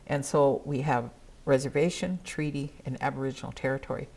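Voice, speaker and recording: An older woman whose first language is Dakota, speaking at a gathering in a measured, earnest way with pauses. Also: a bass voice, steady tone, creaky, darkish tone. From South Dakota, USA. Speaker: treaty council member.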